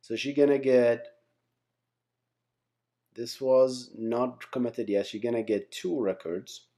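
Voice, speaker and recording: This man's voice is mid-range, dark, and steady, and he speaks slowly. As a software engineering instructor and channel host, he delivers an informal explainer, often asking "right?" or "okay?" and addressing listeners as "guys".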